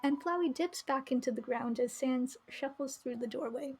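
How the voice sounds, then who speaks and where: High-voiced woman reading a game aloud. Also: moderate pace, a little mellow. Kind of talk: live game commentary and narration reading. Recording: music behind the voice. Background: game music.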